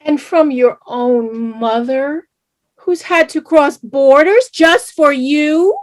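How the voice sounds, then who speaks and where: A woman's voice: high-pitched, slow. A woman playing a vain, spirited middle-aged Latina immigrant mother in a staged play reading, coaxing and wry. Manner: coaxing, mixes in Spanish words.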